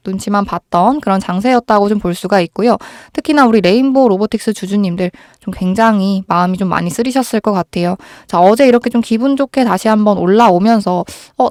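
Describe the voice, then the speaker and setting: A woman's voice: mid-range voice, a little mellow, no room sound, studio quality. A woman hosting a market commentary, explaining things to viewers in a polite, reassuring way, her voice a little strained by a cold. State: has a cold, slightly strained voice. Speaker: host of a stock market channel.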